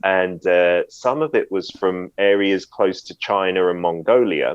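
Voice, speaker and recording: In a British accent, a man speaks very deep and low at a fairly slow pace, with ordinary pitch variation. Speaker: broadcaster. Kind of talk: podcast interview answer.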